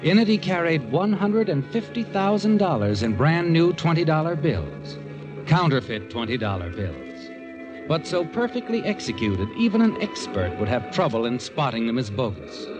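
An actor playing a knowing storyteller, narrating a 1940s radio crime drama in a measured, dramatic manner. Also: male voice, fairly high pitch, big pitch swings, dull audio, over music. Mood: knowing, suspenseful.

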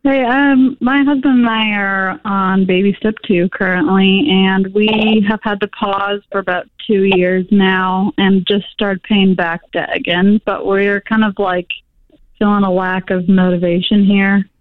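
A young woman calls in, and her voice comes through a narrow, tinny phone line with a dry, close sound. She has an ordinary mid-range pitch and speaks in a casual, hesitant way, often pausing on "um" and "like". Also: steady tone, no room sound. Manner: hesitant, with many fillers like "um" and "like". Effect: heard over a phone line. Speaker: caller. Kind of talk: casual call-in chat.

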